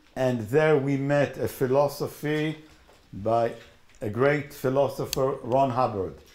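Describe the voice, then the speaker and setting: Audible room echo surrounds a man's fairly high voice. He talks at a fairly slow pace with fairly even intonation. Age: 60s. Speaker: lecturer, author. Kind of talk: lecture with consecutive interpretation. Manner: speaks in short phrases, pausing for interpreter.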